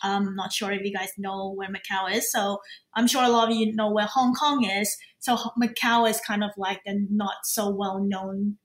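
A woman's voice: medium pitch, level tone, normal speed, echoey room. A woman who grew up in Australia, a podcast guest chatting casually and laughing easily. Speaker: guest, cooking YouTuber.

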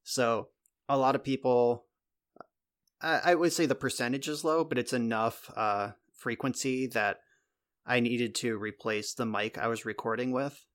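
A man's voice: mid-range voice, steady tone, a little slow, fairly bright tone. A man co-hosting a podcast, telling a rambling story in casual chat and swearing now and then, recorded on a podcast mic in a home room. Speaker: podcast co-host. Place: converted guest bedroom at home. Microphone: podcast mic in a home recording space.

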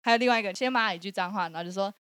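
A woman, co-hosting a podcast and retelling a story in a lively, laughing way. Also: medium pitch, racing, no room sound, clean studio sound. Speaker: podcast co-host. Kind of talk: casual storytelling chat.

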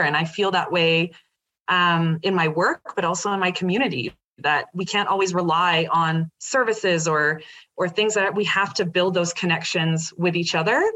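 A woman in her thirties from the Netherlands, a guest speaking in a relaxed interview, thoughtful and halting with many fillers and restarts. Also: lowish voice. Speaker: guest from a women's center. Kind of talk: casual interview talk.

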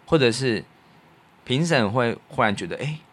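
A man's voice: mid-range voice, animated, normal speed, fairly bright tone. A man with a Taiwanese Mandarin accent co-hosting a podcast, telling stories casually in an earnest, reflective, colloquial way. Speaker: podcast co-host and radio professional. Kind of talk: casual conversational storytelling.

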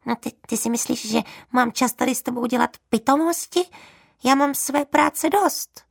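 A woman's voice: mid-range voice, expressive, creaky, breathy edge, no room sound, clean studio sound. Grumpy dust mite, as a woman puts her on. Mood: irritated. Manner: irritated, brusque. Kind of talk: children's audio story.

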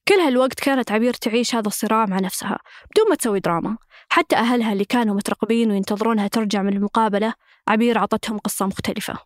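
A woman narrates a documentary podcast at a very quick pace, with a pitch a little above average. Her delivery is measured and scripted, and the recording is close and dry with no room sound. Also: dry recording.

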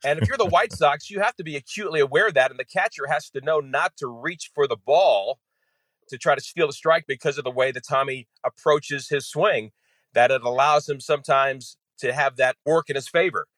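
A man who calls baseball games on radio, talking as a guest in an interview and laying out detailed, measured analysis of players and strategy. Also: medium pitch, no echo. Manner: detailed, measured, steady flow of facts.

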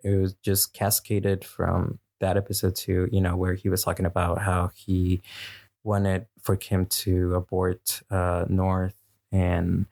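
A man's voice: sits low, monotone, slow pace, gravelly, darkish tone. A man co-hosting a casual chat, giggling often and rambling with hesitant restarts.

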